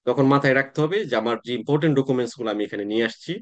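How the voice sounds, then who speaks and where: A man, teaching an online class in a relaxed, conversational way, often pausing to check that students follow. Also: medium pitch, lo-fi sound. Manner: conversational teaching with frequent "তাই না?" check-ins and hesitations. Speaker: tax exam coaching instructor.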